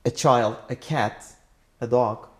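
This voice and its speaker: A man's voice: medium pitch, slow. A man whose first language is Turkish, speaking English in a casual talk with short interjections and repeated words. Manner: brief interjections, repeated words, some dry humor. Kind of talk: casual explanatory dialogue.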